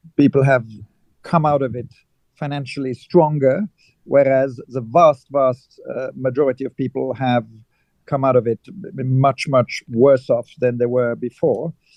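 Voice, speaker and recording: The speech comes at a fairly slow pace with fairly even intonation, in a dry, close sound with no echo. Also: man, medium pitch for a man. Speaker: auctioneer, art dealer. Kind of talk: interview answer. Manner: hesitant, with frequent fillers.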